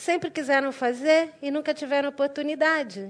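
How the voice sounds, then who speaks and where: This woman's pitch is high. She keeps a moderate pace. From Brazil, Santos. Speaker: anthropologist. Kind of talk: public lecture with Q&A. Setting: stage with audience. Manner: conversational.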